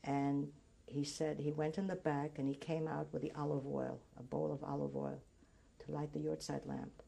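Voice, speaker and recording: An older woman from Greece, a native Greek speaker, recalling her memories in an oral history interview, halting and restarting as she remembers. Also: low-pitched, level tone, creaky, mellow, husky.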